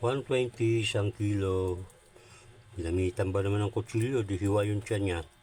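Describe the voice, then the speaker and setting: A man's fairly low, somewhat breathy voice, dark and mellow in tone, with fairly even intonation, very even loudness and a moderate pace. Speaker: cooking vlogger. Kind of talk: casual cooking vlog narration.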